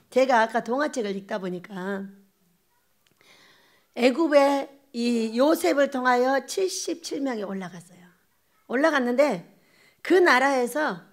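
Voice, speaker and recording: High-voiced woman preaching a sermon. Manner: animated storytelling with laughter and acted-out quotes. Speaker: pastor. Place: church sanctuary.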